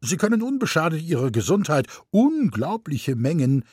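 A man doing a pompous know-it-all gentleman. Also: fairly high pitch, big pitch swings, moderate pace, husky, dry recording, clean studio sound, pitched above the performer's own voice. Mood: lecturing. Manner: lecturing, pompous, precise. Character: pedantic know-it-all gentleman with pince-nez.

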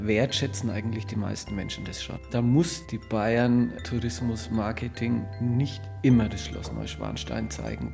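A man giving an interview in a relaxed, ironic way. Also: on the low side, creaky.

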